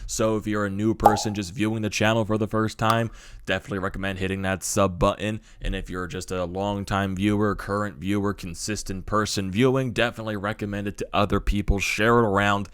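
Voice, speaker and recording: A young man rambles through a hockey recap with lots of energy and digressions. His voice is low and smooth, with a slight strain from screaming at the arena. It sounds close and dry. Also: little pitch movement, brisk, dry recording. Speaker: sports channel host. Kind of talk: solo hockey recap talk.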